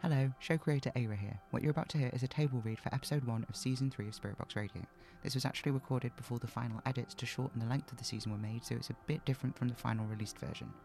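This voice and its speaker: A man introduces a show informally as its creator. He talks fast with a lot of vocal fry, over faint music. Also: medium pitch, a little mellow.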